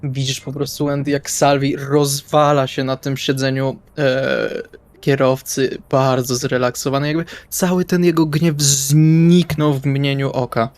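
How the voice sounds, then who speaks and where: A man playing a tabletop RPG, narrating his character's actions in the first person in short, deliberate phrases. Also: medium pitch, fairly even intonation, dry recording. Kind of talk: first-person roleplay narration over game session. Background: soft guitar music.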